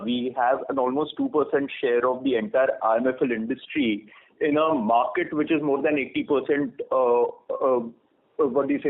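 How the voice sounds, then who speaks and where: An Indian-accented man speaks as a company executive on a business call. His pitch is mid-range and moves around in a lively way, and he explains points with frequent "right?" tags. The sound is narrow and phone-like. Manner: explanatory, often adding "right?" as a tag. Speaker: company executive answering questions. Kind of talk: earnings call Q&A. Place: conference call. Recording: narrow-band phone conference line.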